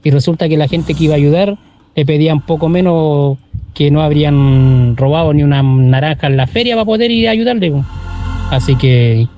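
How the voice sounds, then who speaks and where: Chilean male co-host, mellow voice, teasing, challenging, music faint behind. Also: fairly high pitch, moderate pace, dull audio. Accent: Chilean Spanish.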